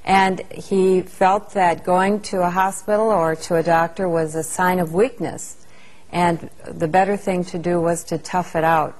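A woman with a somewhat low voice narrates a training lesson. Her delivery is calm and measured, like a scripted instructional video. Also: low-quality recording.

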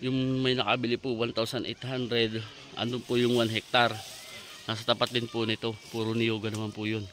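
A man talks politely and casually as he walks visitors through riverside farmland. He points out features along the way. His pitch sits mid-range, and faint outdoor noise runs under his voice. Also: level tone, normal speed, fairly bright tone. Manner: polite, chatty, points things out. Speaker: vlogger showing land for sale. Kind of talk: casual walking tour narration.

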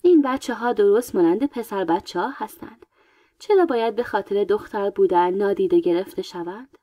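A woman voicing a proud young queen, mellow. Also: medium pitch, lively intonation, no room sound, studio quality, close to an everyday voice. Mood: playful. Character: proud, vain young queen, self-assured. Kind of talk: audiobook character voice.

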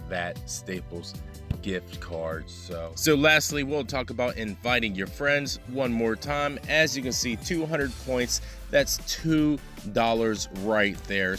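An upbeat young male host pitching a money app with punchy, salesman energy. His voice sits at a middling pitch and is picked up on a clip-on mic, with faint music underneath. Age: young adult. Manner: energetic, salesy hype with catchphrases. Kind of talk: upbeat app review vlog.

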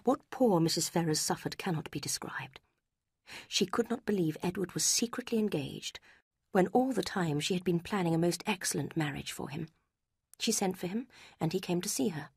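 Lady doing a stuffy self-important gentleman, low breathy near-whisper, husky and dry. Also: moderate pace, no room sound. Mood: grave. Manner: grave, hushed, half-whispered. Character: pompous self-satisfied gentleman, brother. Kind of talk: audiobook character reading.

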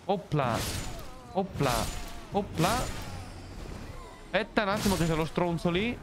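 Excitable swearing young man gaming. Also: sits high, quick pace, background noise. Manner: excitable, swears and yells insults at enemies. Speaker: streamer. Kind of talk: live gameplay commentary. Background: game music.

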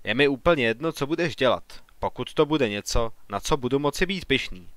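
A proud older artist scoffs gruffly at his son's plans, as a man reading the story puts him on. His voice stays at a middle pitch. It is recorded close and dry. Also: animated, fairly bright tone, dry recording, natural voice. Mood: scornful. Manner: scornful, gruff. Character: older male artist, proud, dismissive father.

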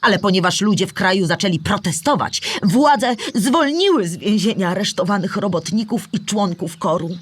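A woman playing a knowledgeable storyteller character, narrating history in a measured, explanatory way with a husky voice. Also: mid-range voice, animated. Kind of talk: scripted educational narration.

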